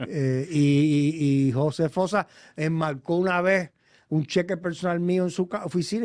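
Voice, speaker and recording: Against a quiet background, a man with a Puerto Rican accent speaks with ordinary pitch variation. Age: 60s. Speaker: former senator. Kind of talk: interview testimony. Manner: animated.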